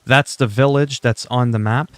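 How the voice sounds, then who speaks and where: A man with a mid-range voice, French as his first language, chats casually with viewers while playing on a gaming livestream. His intonation stays fairly even and his pace moderate, with no echo, and he comes across as talkative and opinionated as he addresses chat directly.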